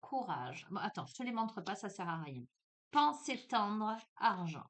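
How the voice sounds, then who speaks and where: A woman's voice: on the low side, sing-song, fairly bright tone. Chatty woman reading oracle cards. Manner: chatty, laughing, lots of fillers and asides; slow, drawn-out voice when reading card texts. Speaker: tarot and oracle card reader. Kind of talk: casual spoken card reading.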